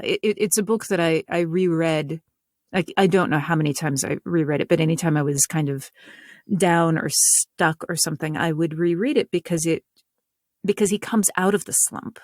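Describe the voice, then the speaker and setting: Low-voiced Southern woman, reflective. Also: moderate pace, a little mellow, dry recording, clean studio sound. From North Carolina, US South. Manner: reflective, talks in long winding sentences. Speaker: guest author. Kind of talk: casual interview chat.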